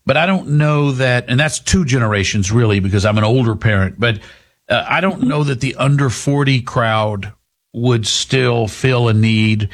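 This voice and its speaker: A man in his fifties hosting a talk show, speaking in a measured, reflective way with frequent restarts. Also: mid-range voice. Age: 50s. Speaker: host.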